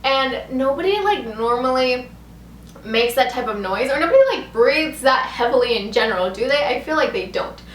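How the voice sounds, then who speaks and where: A woman's voice: high-pitched, expressive, moderate pace. A young woman vlogger telling a story in a casual, chatty, rambling way, saying "like" a lot. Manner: rambling, heavy use of "like". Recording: echoey room with background noise.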